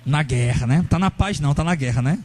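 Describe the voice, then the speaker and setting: A high-pitched male pastor preaching to his congregation in a lively, animated way. He speaks straight to members of the church and acts out the angry believers he describes with a raised, shouting voice. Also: fairly quick. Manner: addresses congregation members directly. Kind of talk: sermon.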